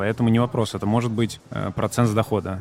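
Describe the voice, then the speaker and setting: A man talks at a medium pitch with fairly even intonation. Music plays in the background. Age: 20s. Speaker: startup founder. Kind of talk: business pitch.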